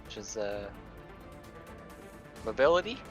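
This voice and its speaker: Casting: male tabletop player, slow-paced but lively in pitch, casual game-table chat. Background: prominent music under the voice.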